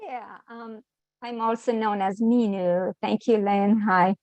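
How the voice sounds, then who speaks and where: Slow-speaking woman of sixty. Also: mid-range voice, fairly even intonation, darkish tone, no echo, muffled recording. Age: 60s. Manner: hesitant, with frequent ums. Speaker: participant on a call.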